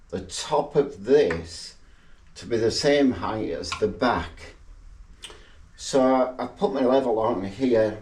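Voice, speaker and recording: Man, middle-aged, low voice, mellow tone, wry chatty DIY narration. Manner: wry, chatty asides between tasks. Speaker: DIY vlogger. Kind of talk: casual talk-to-camera while working. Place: garage and yard, partly outdoors.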